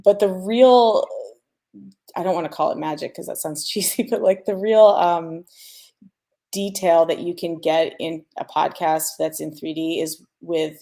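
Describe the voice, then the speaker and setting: A woman with a fairly low voice and plenty of vocal fry explains sound design informally. She thinks aloud as she goes, checking that the listener follows. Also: mellow. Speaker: sound designer, panel speaker.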